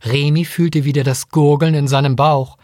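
A man reading a story aloud in scripted narration, with even storytelling. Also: fairly high pitch, normal speed, dry recording, studio quality. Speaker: audiobook reader.

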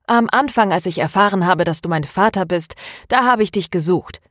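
A guarded young woman speaks in short, irritated answers, low-pitched and a little lifted above the reader's own tone. A woman reads her lines in an audiobook. The sound is close and dry. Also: normal speed, a bit bright, dry recording. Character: young woman, tense and defensive.

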